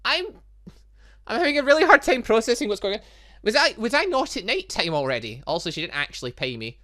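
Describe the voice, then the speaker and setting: A gaming channel host gives casual, chatty commentary, thinking aloud and reading visual novel dialogue aloud. His high-pitched voice has a sharp tone, big pitch swings, and a quick pace.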